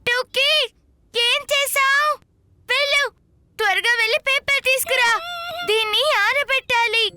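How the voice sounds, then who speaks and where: Cartoon child: tiny, extremely high voice, earnest, bossy older-sibling type. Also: female voice, a little slow, bright, forceful tone, exaggerated voice.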